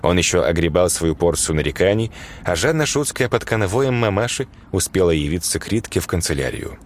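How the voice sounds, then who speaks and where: Low voiced guy reading a creepy story, lively delivery, kinda sardonic. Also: brisk, a little hiss or hum. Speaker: audiobook narrator. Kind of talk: first-person horror narration.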